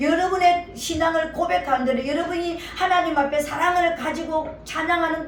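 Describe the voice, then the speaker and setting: A woman's high-pitched voice with audible room echo and noticeable background noise. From Gyeongsang region, South Korea. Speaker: pastor. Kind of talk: sermon.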